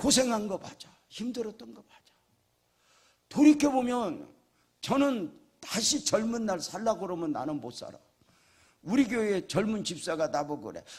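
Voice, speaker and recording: This man's high voice moves at a fairly slow pace with long, frequent pauses. His pitch swings very widely. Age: 60s. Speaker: pastor. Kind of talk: sermon. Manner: animated.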